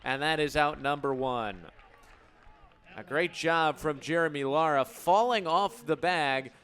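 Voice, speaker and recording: An American man in his twenties calling live baseball play-by-play for radio in a crisp, descriptive announcer delivery. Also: fairly high pitch, measured pace, fairly bright tone. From Illinois, United States. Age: 20s.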